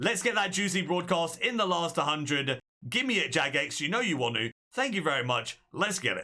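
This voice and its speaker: Loud and animated, a man speaks at a moderate pace. His pitch is high and swings very widely. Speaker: gaming YouTuber. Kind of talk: casual gameplay commentary. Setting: home room.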